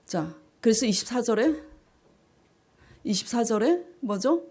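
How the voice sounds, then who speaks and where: This is a woman pastor in the middle of a sermon, with a voice that sits a little high. She keeps turning to her listeners with questions. She drops to a quieter, slower voice when she reads the scripture passages. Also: animated, slightly rough. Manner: asks the congregation questions and answers them; rises in pitch and volume on key phrases. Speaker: senior pastor.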